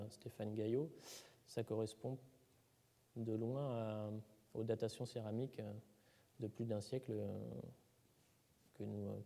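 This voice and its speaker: In a lecture hall, a man with a warm, lowish voice presents excavation results at a seminar. He sounds hesitant, with many fillers and restarts, and the hall is reverberant.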